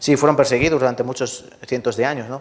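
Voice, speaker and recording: This is a man speaking. He has a Castilian accent. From Spain. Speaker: preacher. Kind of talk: sermon.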